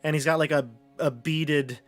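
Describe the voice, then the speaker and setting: A man narrating a tabletop game as game master in an improvised, conversational, halting way. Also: a little high, steady tone. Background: music.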